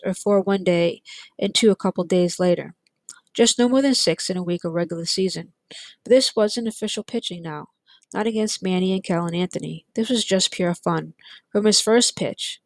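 A woman reading a chapter of a novel aloud, in steady, plain storytelling. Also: mid-range voice, no room sound. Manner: steady, plain storytelling with light character voices. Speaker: audiobook reader. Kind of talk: read-aloud narration.

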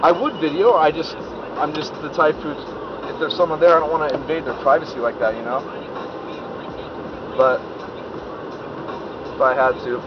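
A man chats loosely from behind the wheel, trailing off and restarting his sentences. His voice sits a bit high and comes through a dull, lo-fi dashcam mic. Steady road and engine noise runs under everything. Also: moderate pace, pauses often. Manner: rambling, relaxed, restarts often. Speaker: vlogger driving and filming. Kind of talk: casual chat while driving. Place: inside a moving car. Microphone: dashboard camera.

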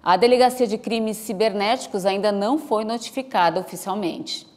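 A woman in her thirties presenting the news with a steady, formal delivery on a lapel mic. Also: medium pitch, moderate pace. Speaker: news anchor. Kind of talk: live newscast reading. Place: outdoor studio set with trees.

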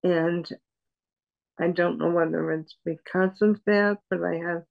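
An older woman on a video call at home, speaking softly and haltingly with many pauses as she talks about her life as a patient. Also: lowish voice, steady tone, gravelly, narrow, tinny audio. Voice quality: soft voice. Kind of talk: personal account in an interview. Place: room at home. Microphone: video call webcam.

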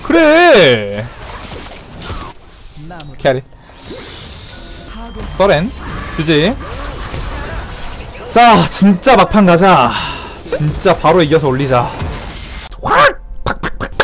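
A man streaming a video game with live commentary, excitable and trash-talking playfully, shouting sound effects between slow remarks. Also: fairly high pitch. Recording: game music playing behind.

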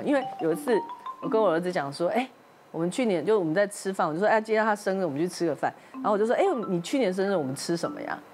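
A woman in her fifties tells a story on a studio talk show in a quick, lively voice that rises and falls a great deal. She acts out the quoted lines with real animation. Music plays softly behind her. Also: mid-range voice. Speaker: guest.

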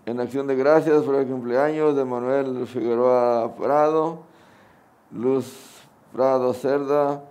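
A man's voice: medium pitch, fairly even intonation, slow, a little mellow, clean tone. A middle-aged man with a Mexican Spanish accent, speaking as a Catholic priest at Mass. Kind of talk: sermon and prayers at Mass. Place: outdoors under a canopy at an altar.

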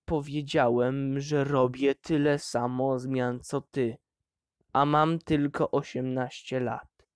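A man voicing a defiant eighteen-year-old miner who answers his father in a low, hissing tone. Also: fairly even intonation, unhurried, vocal fry, a little mellow, dry recording, clean studio sound.

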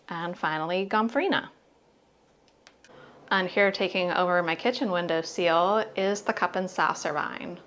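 American lady doing a garden vlog, kinda low voice, chatty to viewers, background ambience noise. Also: a bit bright. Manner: chatty, addresses viewers directly. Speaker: gardening vlogger. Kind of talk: casual garden tour and demonstration. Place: home garden outdoors and inside the house.

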